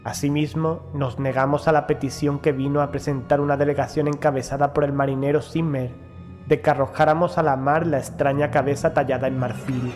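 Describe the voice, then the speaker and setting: A man reading a first-person horror story as an audiobook narrator, in a measured, formal storytelling delivery. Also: medium pitch, little pitch movement, darkish tone. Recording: music behind the voice. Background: background music.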